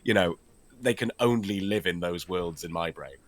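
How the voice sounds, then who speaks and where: A man's voice: sits low, moderate pace. A man who speaks Welsh as his first language, chatting casually and playfully about voice acting while playing a game, slipping into impressions. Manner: playful, slips into impressions and accents. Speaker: guest voice actor. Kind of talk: casual chat while gaming.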